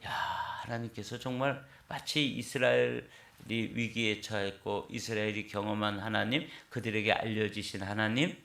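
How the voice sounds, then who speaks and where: A man in his sixties preaches an early-morning sermon in a conversational, storytelling manner. His voice is low and gravelly. The sound rings in a church sanctuary. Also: steady tone, normal speed, fairly bright tone, reverberant. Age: 60s. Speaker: pastor.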